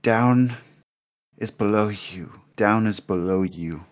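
Man playing a calm chanting monk. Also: lowish voice. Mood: soothing. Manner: slow, soothing chant-like repetition. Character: calm male monk leading a meditation.

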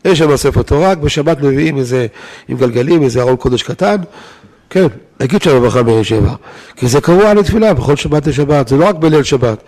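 A rabbi teaching Jewish law in a weekly lesson to a live audience, talking in a lively way, firing rhetorical questions at his listeners and breaking off to restart words. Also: mid-range voice.

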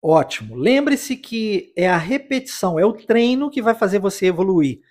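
A husky-voiced man from Brazil teaches English on his podcast. He speaks fairly high and explains each point patiently, often pausing to check in with the listener. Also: very animated, a little mellow. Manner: encouraging, explanatory, frequent tag questions. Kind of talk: podcast lesson addressing listener.

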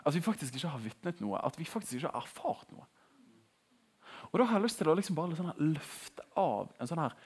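A young man giving a casual, animated sermon in a conversational tone. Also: on the high side, husky. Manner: conversational, animated, laughing at his own jokes. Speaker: preacher.

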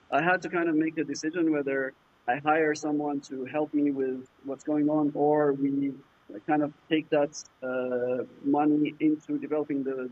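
A man from Jordan whose first language is Arabic, answering interview questions in a halting way, with many fillers and restarts. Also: a little high, husky. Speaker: startup founder, guest. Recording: muffled lo-fi remote audio.

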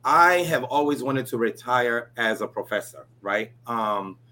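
A man in his forties from Ghana, a guest telling his life story in a relaxed interview, filling his talk with "you know" and "right?". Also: medium pitch, measured pace. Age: 40s.

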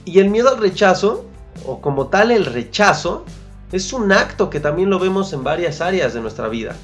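Mexican-accented podcast host, motivational monologue, mid pitch, faint music behind. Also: very animated, moderate pace. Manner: coaching, repeats key phrases, colloquial slang.

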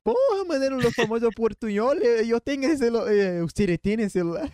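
A young man in his teens, casually telling a story on a live stream, full of slang and quick asides. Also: very high-pitched, big pitch swings, mellow, a little hiss or hum. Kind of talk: casual chat.

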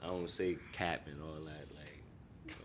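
Casting: young male podcast host, African American New York accent, deep voice, loose slangy talk, clearly noisy track. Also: level tone, slow. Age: young adult. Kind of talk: casual group chat, slangy. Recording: noisy with low rumble.

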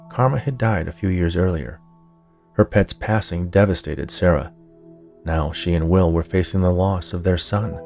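A man's voice: low voice, vocal fry, warm tone. A man narrating scripted fiction in an audiobook style, as the host of a story podcast.

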